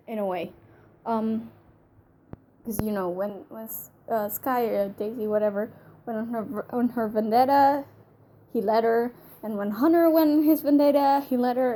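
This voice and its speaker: High-voiced woman ranting in a review. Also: mellow, slight background noise. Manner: emotional and ranting, with many restarts. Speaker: TV show reviewer. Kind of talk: casual video review.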